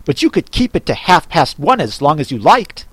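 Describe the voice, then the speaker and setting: A man voicing a fussy, contrary hatter who grumbles and talks down to others in quick bursts. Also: fairly high pitch, very animated, fairly bright tone, slightly rough, dry recording, full character voice. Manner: grumbling, contemptuous, quick talker.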